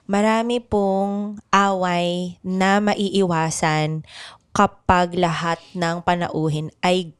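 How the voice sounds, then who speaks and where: A woman's voice: fairly low pitch, flat delivery, slow, clean tone. A woman with a Filipino accent chatting casually as a podcast host, switching between two languages. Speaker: podcast host and improv performer. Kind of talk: casual podcast chat mixing Tagalog and English.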